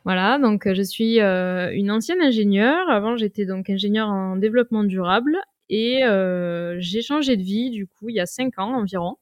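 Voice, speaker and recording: A woman guest on a podcast interview, speaking with a regional French accent, hesitant and filling pauses often. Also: mid-range voice, no echo, highs cut off. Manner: hesitant, many "euh" and "du coup" fillers. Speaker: guest, watercolor teacher.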